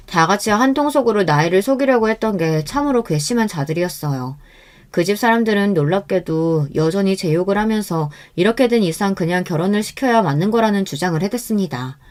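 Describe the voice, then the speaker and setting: A woman narrating a first-person life story in a calm, even scripted telling. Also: mid-range voice, fairly quick.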